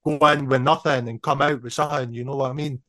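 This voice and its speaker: A man's voice: mid-range voice, fast talker, dry recording. Scottish man, thirties, rambling musician guest, dry close sound. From Scotland. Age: 30s. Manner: relaxed, rambling, lots of "you know". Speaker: band member guest. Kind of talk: casual interview chat.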